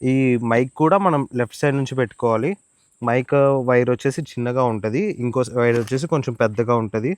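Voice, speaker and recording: Fast-talking man with a Telugu Indian accent. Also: mid-range voice, fairly even intonation, no echo. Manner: informal, explanatory, mixing English words into speech. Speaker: motovlogger reviewing and demonstrating gear. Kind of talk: casual product tutorial to camera.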